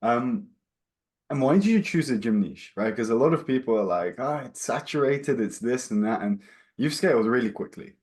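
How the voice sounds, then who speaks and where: A man hosts a relaxed interview in a chatty, friendly way. He asks loose questions full of fillers and drops casual swear words. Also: mid-range voice, normal speed. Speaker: interview host.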